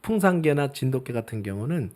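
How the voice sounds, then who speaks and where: A middle-aged male pastor preaching a sermon, swinging between loud emphasis and soft, near-whispered asides. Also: medium pitch, sing-song, brisk.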